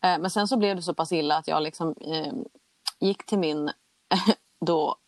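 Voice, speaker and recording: A young adult woman, a guest, shares a personal story in a candid, chatty manner, acting out the conversations she describes. Her voice is low, and the recording is dry.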